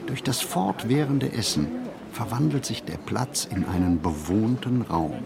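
A man reads a reflective literary monologue for a radio play, phrasing deliberately and expressively with pauses. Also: fairly low pitch, sing-song, gravelly, crowd noise.

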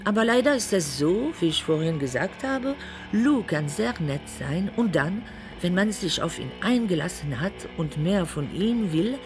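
Radio play role, acted: drag queen ex-lover, mid-pitched, unhurried, wry and confiding, music underneath. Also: expressive, close to an everyday voice. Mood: confiding, rueful. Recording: music behind the voice.

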